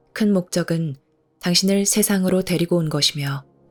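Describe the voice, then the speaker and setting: A woman speaks at a moderate pace in a fairly low voice, her intonation fairly even, with music playing in the background. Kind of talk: audiobook reading for sleep.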